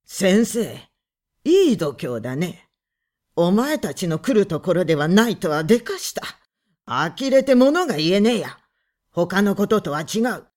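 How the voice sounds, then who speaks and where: A woman voicing a gruff middle-aged male tavern keeper who speaks in coarse, rough phrases and sounds menacing. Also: mid-range voice, sing-song, takes it slowly, darkish tone, pitched below the performer's own voice. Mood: scornful threatening. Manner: rough, coarse, slurred working-class speech.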